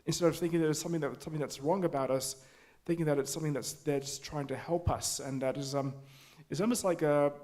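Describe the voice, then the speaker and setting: A man speaking at a community forum, halting with many restarts and fillers. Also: a little high, fairly even intonation, darkish tone. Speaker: forum audience member. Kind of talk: spontaneous public remarks. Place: community hall.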